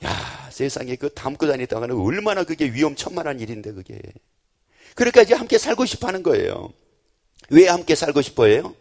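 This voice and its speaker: A man's voice: a little high, very animated, a little fast, gravelly, a little mellow. A middle-aged male pastor preaching a sermon, repeating phrases with rising force and emphasis. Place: church sanctuary. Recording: long church reverb.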